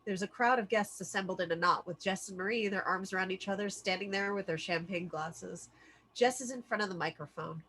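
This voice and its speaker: A woman's voice: mid-range voice, fairly quick, a bit bright, slightly rough. A woman narrating the scene headings and action lines of a screenplay at a table read. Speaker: stage-direction reader. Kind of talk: scripted narration of screenplay directions.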